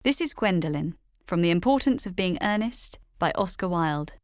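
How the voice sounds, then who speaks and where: A woman's voice: fairly low pitch, expressive, moderate pace, dry recording, studio quality. A woman reading scripted narration as a storyteller. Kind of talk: scripted narration for a drama reel.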